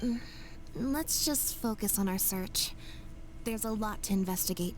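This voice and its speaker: A woman's voice: mid-range voice, unhurried, a little hiss or hum, lightly acted, rough recording. A woman playing a composed, focused young female companion in a video game. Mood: focused, reserved. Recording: game voice under loud music.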